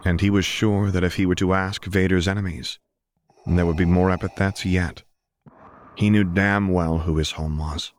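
A man's voice: low-pitched, fairly even intonation, normal speed. A man reading scripted fiction aloud as an audiobook narrator.

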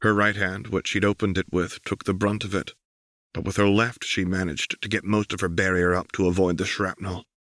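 A man's voice: sits low, level tone, normal speed, fairly bright tone, dry recording. A man reading an audiobook as scripted, dramatic story narration. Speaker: audiobook reader.

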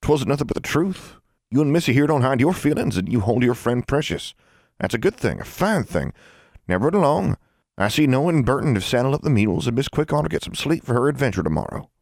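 A man's voice: medium pitch, sing-song, a little fast, creaky, darkish tone, no echo, clean studio sound, voice pushed up. A man voicing an old, imperturbable Ozark granny witch with firm, folksy dialect speech in a storybook reading. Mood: wry, kindly.

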